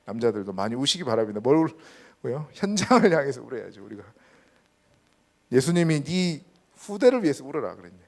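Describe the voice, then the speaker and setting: In a church sanctuary, a male pastor preaches a Sunday sermon, posing rhetorical questions to the congregation and stressing points emphatically. His medium-pitched voice is sing-song and a little fast, with vocal fry.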